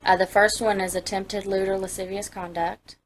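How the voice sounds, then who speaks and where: A woman's voice: medium pitch, level tone, normal speed. An American woman, a police investigator, questioning a suspect in a direct, pressing way. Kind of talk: police interrogation. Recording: noisy interview room audio.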